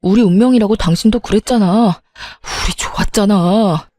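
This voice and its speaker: A woman's voice: medium pitch, normal speed, dark tone, dry recording, close to an everyday voice. A woman voicing a weak, self-serving young husband who keeps begging in a storybook narration. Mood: pleading.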